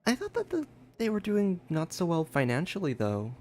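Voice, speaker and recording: A woman's voice: lowish voice, huge pitch swings, normal speed, darkish tone. A woman streaming a video game, giving casual commentary in a conversational style.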